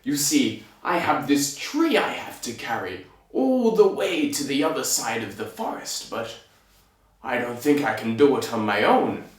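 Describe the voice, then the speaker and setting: A man voicing a big, stupid, friendly fairy-tale giant with a slow, earnest, emphatic delivery. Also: medium pitch, big pitch swings. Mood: pleading. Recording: roomy echo, distant microphone.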